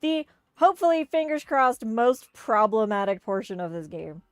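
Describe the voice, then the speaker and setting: A woman streaming a game and reading its dialogue aloud, slipping playfully into goofy high voices for the characters. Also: sing-song, normal speed, no room sound, clean studio sound, soft background music. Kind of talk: casual let's-play with read-aloud character voices.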